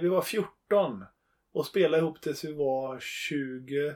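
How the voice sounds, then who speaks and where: A man speaks very slowly in a fairly high voice, his intonation lively and full of movement. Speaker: bass player and former wrestler. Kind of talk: casual chat.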